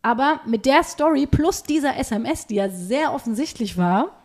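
High-voiced woman chatting colloquially. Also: lively intonation, normal speed, darkish tone. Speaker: podcast host. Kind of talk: casual chat, telling a personal story. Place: recorded at a home.

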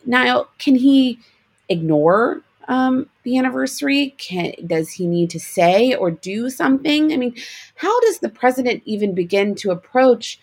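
A woman's voice: on the high side, animated, unhurried, breathy edge. A woman moderating a panel of reporters, posing questions and steering the conversation.

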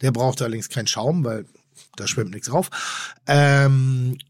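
A man's voice: medium pitch, steady tone, measured pace, dry recording, clean studio sound. A man co-hosting a casual podcast, rambling and effusive, often trailing off and restarting his sentences.

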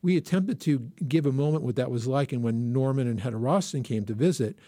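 A man talking casually on a podcast, circling back and restarting his sentences. His voice sits at an ordinary middle pitch. The sound is close and dry, with no room around it. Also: mellow, no echo. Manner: rambling, restarts often. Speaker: podcast co-host. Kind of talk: casual chat.

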